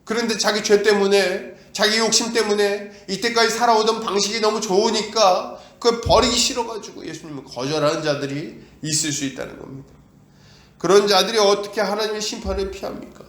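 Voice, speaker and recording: A man's voice: high voice, fairly quick, fairly bright tone, reverberant. A male pastor preaching an emphatic sermon, asking his congregation rhetorical questions and acting out the voices of doubters. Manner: acts out quoted voices of doubters and of God. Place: church.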